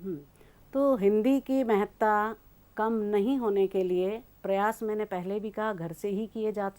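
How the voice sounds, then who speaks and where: A woman teacher answering on a discussion show, calm and explanatory, pausing often. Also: medium pitch. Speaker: teacher, studio guest.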